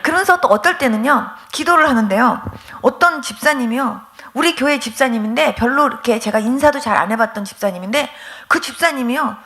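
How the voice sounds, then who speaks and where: A woman pastor giving a testimony sermon, telling her story in a lively way and acting out the dialogues. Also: on the high side, brisk.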